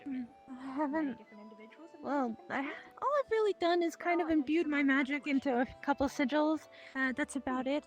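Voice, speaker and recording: A woman's voice: high voice, moderate pace, faint music behind, close to an everyday voice. A woman voicing an anxious young mage in a voice roleplay, stammering and hesitant. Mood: uneasy. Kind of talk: voice roleplay in a social VR world.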